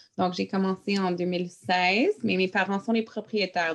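A woman speaks in a plain, everyday voice at medium pitch, with ordinary pitch variation. Her pace is fairly slow against a quiet background. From Quebec, Eastern Townships. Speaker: summer camp director. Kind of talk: casual interview. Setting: at the camp.

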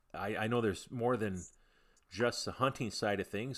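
A man with a Michigan accent is heard on a very clean recording with a silent background. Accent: Michigan general American. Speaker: podcast host. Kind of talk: casual interview conversation. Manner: friendly, folksy, chatty.

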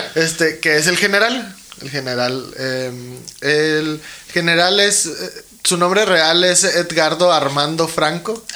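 Over noticeable background noise, a man speaks at a very slow pace in a high pitch with ordinary pitch variation. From Saucillo, Chihuahua, Mexico. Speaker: podcast co-host. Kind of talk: casual chat.

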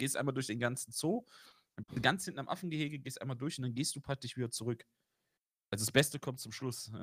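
A man talks at a very fast pace with an animated tone, a somewhat breathy voice, ordinary pitch variation, and a dry, close sound with no echo. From Germany, Mönchengladbach. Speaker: football podcast co-host. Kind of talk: casual chat.

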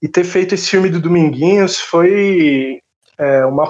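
A man speaks rather slowly in a high register, his pitch varying by an ordinary amount. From Brazil, São Paulo city. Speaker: film editor and documentary director. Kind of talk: interview.

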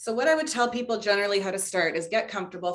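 Lively intonation runs through this woman's ordinary speaking voice, pitched in the medium range. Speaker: meditation coach. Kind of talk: guided meditation. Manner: soft, gentle instructions.

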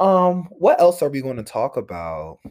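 A man with an American accent talks at a moderate pace in a dark, mellow tone. His pitch swings very widely. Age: 30s. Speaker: podcast host. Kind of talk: casual chat. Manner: casual, chatty, occasional stumbling over words.

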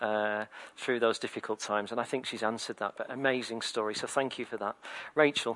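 A man with a northern English accent, a bright, sharp tone and fairly even intonation, before a quiet background. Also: medium pitch for a man, fairly quick pace. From northern England, Morecambe. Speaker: church worship service leader. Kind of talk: church service hosting and prayer. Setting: church.

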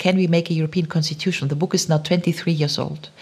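Fairly low-pitched woman in a German accent, talking at a fairly quick pace with fairly even intonation against noticeable background noise. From Germany. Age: 50s. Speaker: podcast host. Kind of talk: interview. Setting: remote call from home.

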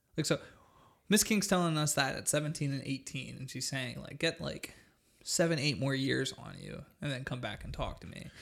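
An unremarkable speaking voice: a man, fairly high in pitch, with ordinary pitch variation, at a moderate pace, on a very clean recording with a silent background. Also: big swings in loudness. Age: 20s. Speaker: podcast host. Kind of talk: casual chat.

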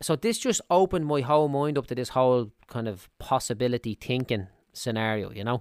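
In a Dublin accent, a man with a medium pitch and ordinary pitch variation speaks at a fairly quick pace, on a very clean recording with a silent background and a dry, close sound with no echo. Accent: Dublin Irish. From Ireland, Dublin (Clondalkin). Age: 30s. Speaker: property investor and business coach, former bricklayer. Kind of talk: casual solo monologue.

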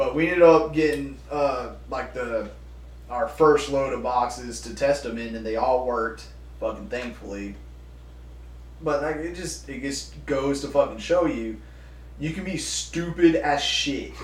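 A man with a Texan accent speaks at a fairly slow pace, his loudness swinging widely, with audible room echo around him. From Texas. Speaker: podcast co-host. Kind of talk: casual chat.

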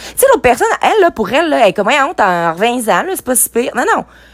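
With a Quebec accent, a woman speaks in an animated tone at a fairly quick pace. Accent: Québécois French. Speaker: podcaster. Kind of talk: casual monologue.

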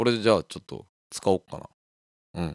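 A man talks at a fairly quick pace with ordinary pitch variation, the sound dry and close with no echo. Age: 30s. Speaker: band vocalist and guitarist hosting a podcast. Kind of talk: casual solo podcast talk. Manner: animated.

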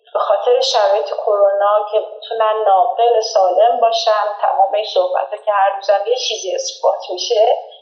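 A woman talks at a moderate pace with hardly any pauses, amid audible room echo and noticeable background noise. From Tehran, Iran. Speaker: homemaker and mother. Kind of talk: interview.

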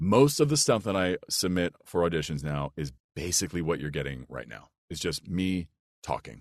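An American accent with vocal fry, very wide pitch swings and big swings in loudness at a moderate pace, in a dry, close sound with no echo against a quiet background. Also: man, very deep, low pitch for a man. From United States. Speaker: voice actor and singer. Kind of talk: casual interview chat.

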